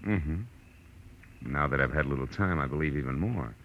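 A man's voice: very deep voice, moderate pace, dull audio. A man playing a tough, wry private detective in 1940s radio drama style, with clipped, slangy delivery. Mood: wry, hard. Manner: clipped, slangy, hard-boiled. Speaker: actor playing the lead and narrating. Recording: old radio recording with music.

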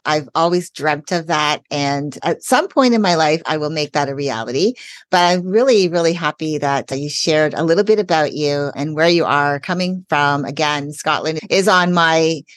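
A woman's voice: low voice, dry recording. A woman hosting a podcast interview, speaking in an upbeat, welcoming way as a self-care coach.

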